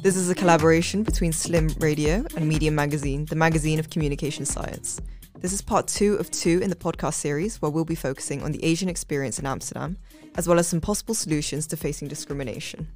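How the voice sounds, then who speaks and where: A young woman hosting a podcast interview in a casual way, with soft listening sounds while others talk. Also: deep voice, fast talker, faint music behind. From England. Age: young adult. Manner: attentive, frequent soft backchannels. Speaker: podcast host.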